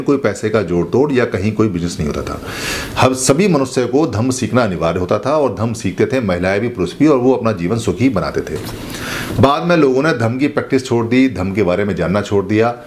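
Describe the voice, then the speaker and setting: Man, Buddhist teacher, spoken dharma talk, slow repetitive explaining, faint background hiss. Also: medium pitch, darkish tone.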